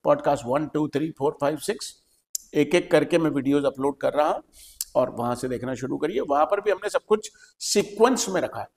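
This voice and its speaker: A man with an Indian accent teaches and hosts, talking a listener through questions with patient, repeated emphasis. His voice sits somewhat high, and a long reverb hangs behind it. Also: a little fast. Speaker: English teacher and host. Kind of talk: explaining in a podcast interview.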